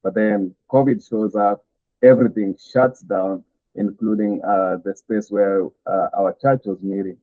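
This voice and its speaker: A man's voice: on the low side, steady tone, no room sound. Kenyan man with a tinny call sound. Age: middle-aged. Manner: halting, many "uh" fillers, chuckles between thoughts. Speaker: pastor. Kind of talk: interview guest telling his story. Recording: tinny phone-like call audio, dry.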